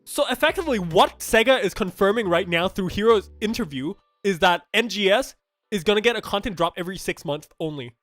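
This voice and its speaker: A man's voice: high-pitched, expressive, brisk, fairly bright tone, no echo, soft background music. Young Thai man, casual gaming rant. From Thailand. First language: Thai and Japanese. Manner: chatty and blunt, with frequent fillers and restarts. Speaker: gaming streamer. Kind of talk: casual game news reaction commentary.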